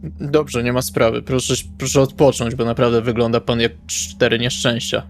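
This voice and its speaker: A man's voice: mid-range voice, flat delivery, moderate pace. A man casually narrating his character's actions as a player in a tabletop roleplay. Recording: faint music behind.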